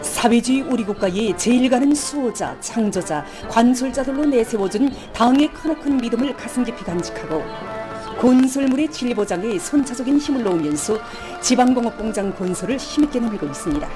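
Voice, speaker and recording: North korean news lady, highish voice, formal and declamatory, music playing clearly underneath. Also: animated, a little fast. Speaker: television news announcer. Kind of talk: formal scripted news narration.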